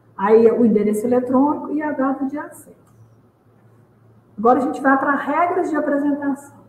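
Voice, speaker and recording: A high-voiced woman talks at a fairly quick pace with ordinary pitch variation, broken by long, frequent pauses. There is noticeable background noise. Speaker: librarian.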